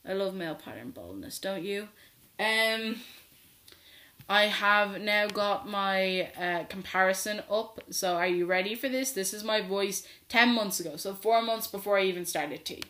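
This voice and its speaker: A man's voice: high-pitched, unhurried, pushed and bright. A sixteen-year-old trans man, chatting candidly to his laptop camera from a small bedroom, with lots of fillers. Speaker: vlogger. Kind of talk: casual update to camera. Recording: echoey small room.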